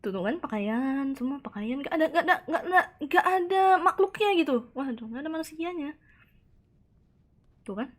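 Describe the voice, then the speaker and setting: A woman streaming a horror game live, chatting excitedly, reacting aloud and answering her chat, tossing in Japanese words. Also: high-pitched, moderate pace. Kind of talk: live gameplay commentary.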